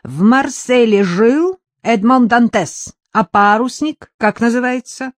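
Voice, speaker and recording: A woman voicing an eager young boy who pleads and gushes with excitement, her voice raised high and loud. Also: slow, no room sound, clean studio sound. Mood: excited. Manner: pleading, insistent, gushing.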